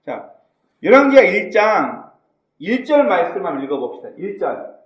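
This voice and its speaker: A man pastor preaching a sermon, telling Bible stories in an animated way and acting out the voices of the characters. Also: high voice, moderate pace, roomy sound, far from the mic, low-quality recording. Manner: animated storytelling, acting out mocking voices and dialogue. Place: church sanctuary.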